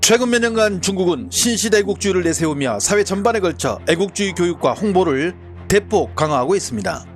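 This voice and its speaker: Fast-talking male news narrator. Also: sits high. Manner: brisk, formal delivery. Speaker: channel host and narrator. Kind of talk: scripted news commentary.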